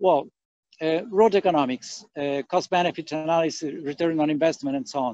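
A man with an Italian accent talks at a fairly quick pace and a fairly high pitch, his dark, mellow tone captured as a dry sound with no echo against a quiet background. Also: ordinary pitch variation. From Italy. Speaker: road committee chair; panelist. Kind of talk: webinar presentation. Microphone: video call.

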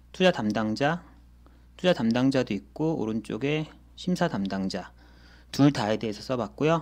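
Leaving long, frequent pauses, a man at medium pitch talks at a moderate pace with lively intonation in a very clean recording with a silent background. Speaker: finance professional giving career advice. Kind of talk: explainer talk over slides. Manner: halting, many fillers.

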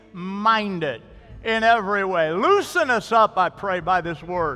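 A man's raised, projected voice at a fairly slow pace, with lively intonation. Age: 50s. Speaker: pastor. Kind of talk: sermon. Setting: church. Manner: animated. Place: church.

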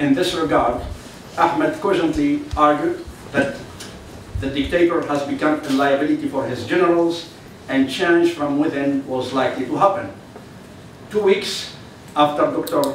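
Speech comes at a moderate pace with ordinary pitch variation and long, frequent pauses. Light background noise and audible room echo are present. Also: man. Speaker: professor and moderator. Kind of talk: formal moderation. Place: hall.

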